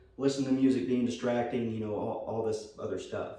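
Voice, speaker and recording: A man with an American accent is heard against noticeable background noise. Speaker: car hobbyist. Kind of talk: casual talk to camera. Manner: casual, rambling.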